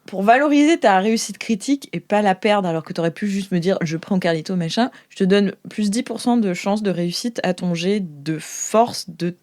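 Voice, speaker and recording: A woman's voice: mid-range voice, normal speed, few pauses, darkish tone. A woman acting as game master, improvising narration and rulings in a casual, playful way, often searching for words.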